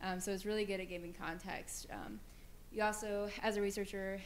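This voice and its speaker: A woman's voice: mid-range voice, little pitch movement, brisk. Woman in the audience at a talk, casual researcher type, medium voice, bit of background noise. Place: live conference audience. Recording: faint room noise.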